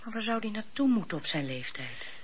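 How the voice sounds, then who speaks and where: Upset pleading wife in radio play, swooping husky voice. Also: female voice, mid-range voice, big pitch swings, a little fast. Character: distraught, pleading wife Henrietta. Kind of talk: Dutch radio drama acting. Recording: dull lo-fi radio play recording.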